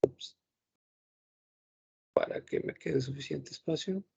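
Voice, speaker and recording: A man's voice: fairly high pitch, slow pace, gravelly, dark tone, breathy edge, muffled recording. A man teaching a patient grammar lesson online, repeating each word and humming while he thinks. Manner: patient, repeats words several times, thinks aloud with hums. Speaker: French teacher.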